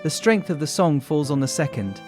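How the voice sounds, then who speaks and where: Suave young gentleman, persuasive, low register for a woman, lively intonation, music behind. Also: moderate pace. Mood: coaxing. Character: suave young English gentleman, lightly coaxing. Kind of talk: audiobook period drama acting.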